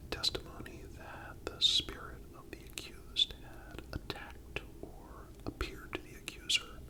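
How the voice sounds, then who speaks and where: A man narrates in an ASMR style, entirely in a whisper. His delivery is slow and deliberate, with a calm, measured manner throughout.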